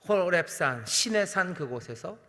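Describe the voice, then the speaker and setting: A man, a senior pastor, preaching earnestly at a night prayer service, addressing the congregation directly with emphatic swells and soft drops. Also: sits high, animated, unhurried. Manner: addresses the congregation directly and voices God's questions. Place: large church sanctuary. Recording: long hall reverb from church sanctuary.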